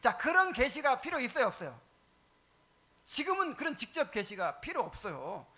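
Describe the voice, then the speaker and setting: Lively high-voiced pastor teaching. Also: male voice. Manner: asks the congregation questions, emphatic repetition; frequent fillers and pauses. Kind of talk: catechism teaching sermon.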